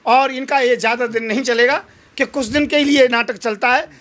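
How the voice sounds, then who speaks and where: A man's voice: very high-pitched, fairly even intonation, moderate pace, a bit bright. A man giving an impassioned political interview, speaking in combative, emphatic oratory full of rhetorical challenges.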